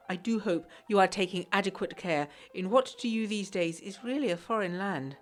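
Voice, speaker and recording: An actress with a medium-pitched, lightly acted voice plays a genteel, frail young Englishwoman of the 1920s in a gothic period audio drama. She reads the character's letter aloud in a formal, earnest, articulate way, with a mood of tender concern.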